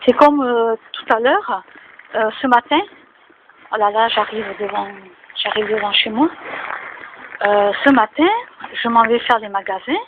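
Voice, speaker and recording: A woman's voice: a little high, measured pace, pauses often. A woman vlogging casually to camera, chatting and moralizing with many fillers, recorded outdoors near her home. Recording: tinny phone-like sound with faint noise.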